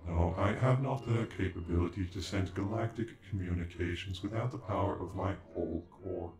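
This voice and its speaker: A man's voice: low-pitched, moderate pace. A man playing an ancient alien android in a sci-fi ASMR roleplay, speaking in formal, stilted, condescending phrases with glitchy robotic stutters. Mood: commanding. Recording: echoing, with music behind.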